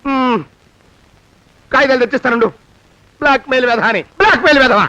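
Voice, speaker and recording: An older actor playing a scheming, cowardly boss who pleads and haggles in a film comedy. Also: male voice, very high-pitched, fast, sharp tone, exaggerated voice. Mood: flustered. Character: scheming, cowardly old male boss being blackmailed. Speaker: film character, a rich boss. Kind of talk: Telugu film comedy dialogue.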